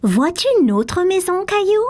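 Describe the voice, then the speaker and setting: A woman voicing a calm, caring young mother who patiently reassures her son in a children's cartoon. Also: very high voice, measured pace, exaggerated voice. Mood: reassuring.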